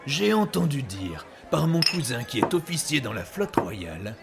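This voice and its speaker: A man playing a boastful, luckless pirate captain in an audio drama, with a gravelly voice and a pompous, theatrical delivery. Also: mid-range voice, sing-song, moderate pace, very noisy. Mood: evasive boasting. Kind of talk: French audio drama acting.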